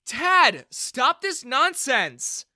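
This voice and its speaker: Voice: mid-range voice, sing-song, unhurried, sharp tone, no echo, clean studio sound, pitched above the performer's own voice. A narrator voicing an earnest young woman who is kind to the hero and stands up to her father. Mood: angry.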